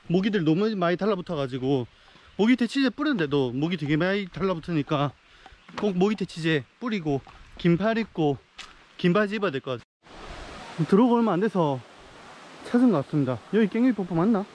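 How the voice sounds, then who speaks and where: A young man talks to a camera held at arm's length, casual and upbeat, his voice sitting a little high for a man. He records outdoors by a river, and a faint hum of outdoor ambience sits behind him. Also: brisk. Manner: chatty, upbeat, gets excited outdoors. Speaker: travel vlogger. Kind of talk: casual travel vlog. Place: outdoors by a river and a jungle waterfall.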